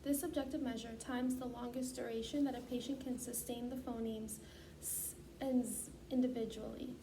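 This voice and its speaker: High-voiced woman, distant noisy recording. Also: steady tone, normal speed. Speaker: student clinician giving a voice assessment. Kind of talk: scripted clinical instructions. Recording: distant mic, clearly noisy.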